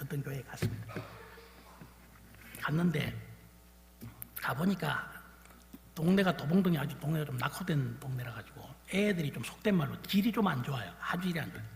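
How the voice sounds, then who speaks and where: A man in his sixties preaching a sermon as pastor, moving between loud exhortation and quiet storytelling. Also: fairly high pitch, creaky, slight background noise. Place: church sanctuary. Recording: echoey church hall with long reverb.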